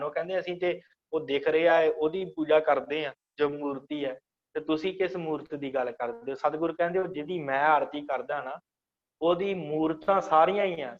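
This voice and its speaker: Guy teaching a scripture class online, kinda high voice, slow chanted verse lines then explains em, muffled lo-fi sound. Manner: explains patiently, recites verse lines slowly then glosses each word.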